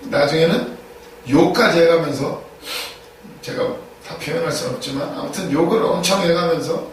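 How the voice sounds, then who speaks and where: Man preaching, slightly higher voice, emphatic repetitions, rhetorical questions, very echoey church, distant mic, faint background noise. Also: moderate pace. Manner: emphatic, repeats key phrases, asks rhetorical questions. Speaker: pastor. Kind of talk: sermon.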